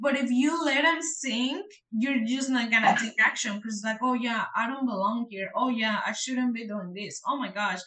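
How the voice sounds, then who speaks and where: A woman talks in a strong Mexican accent at a high pitch with ordinary pitch variation. She keeps a moderate pace with hardly any pauses. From Mexico. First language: Spanish. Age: 20s. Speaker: real estate investor. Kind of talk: podcast interview.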